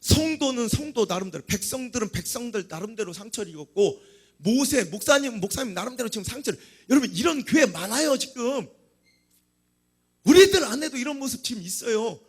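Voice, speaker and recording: Husky, high-voiced man preaching a sermon. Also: animated, brisk. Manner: dramatic, acts out complaints in voices, rises to shouts. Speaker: pastor.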